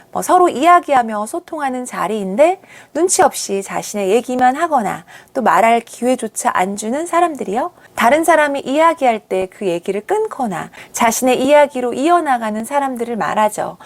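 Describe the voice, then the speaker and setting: A woman hosting a video channel, giving a scripted explainer narration in a gentle, chatty way to her viewers. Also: a little high. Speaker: channel host.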